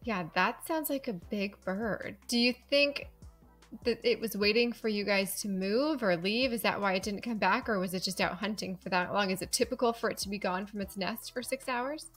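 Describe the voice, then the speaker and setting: A woman's voice: mid-range voice, moderate pace, a bit bright, faint music behind. A woman hosting a podcast, curious and asking many questions. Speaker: podcast host. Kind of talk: casual podcast chat.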